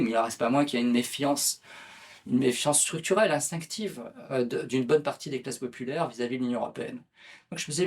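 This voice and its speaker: A man's voice: mid-range voice, breathy edge. A man, an author being interviewed, talking in a hesitant way with many fillers and restarts. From France. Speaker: author and political activist, interview guest. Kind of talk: conversational interview.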